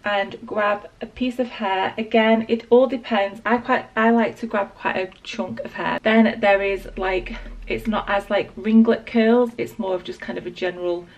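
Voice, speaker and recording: A woman in her late twenties with a Northern English accent, croaky from a sore throat, casually talking through a hair tutorial with lots of ums and likes. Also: mid-range voice, fairly even intonation, moderate pace, hardly any pauses, far from the mic, dull audio. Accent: Northern English, Lancashire. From England. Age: late 20s. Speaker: beauty vlogger. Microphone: small external mic.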